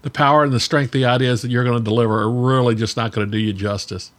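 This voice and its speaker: A man co-hosting a podcast, talking in an animated, casual way with self-deprecating asides. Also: medium pitch, racing. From Virginia, US. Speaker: podcast co-host. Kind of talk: casual conversational talk.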